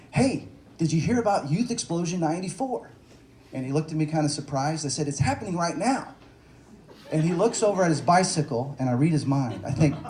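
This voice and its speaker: A man's voice: a little high, warm tone. A man in his forties from Texas, an author telling self-deprecating stories to an audience at a bookstore event, with fillers and jokes. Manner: self-deprecating, joking, conversational with many fillers. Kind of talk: storytelling talk at a book event. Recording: echoey room, faint noise.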